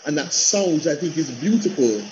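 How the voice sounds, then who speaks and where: A Jamaican man speaks passionately in a fairly high but mellow voice, slipping into patois with a rhythmic delivery. He is a guest on a video call, and the sound is a little dull. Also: moderate pace, slight background noise. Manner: animated, rhythmic, slips into patois. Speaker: panel guest, theatre practitioner and coach. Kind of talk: passionate conversational talk. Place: indoor room at home on a video call.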